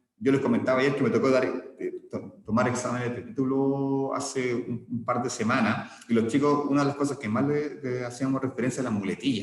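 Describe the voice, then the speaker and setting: There is audible room echo as a man with a fairly high pitch speaks. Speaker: teacher. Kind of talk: lecture. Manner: fast.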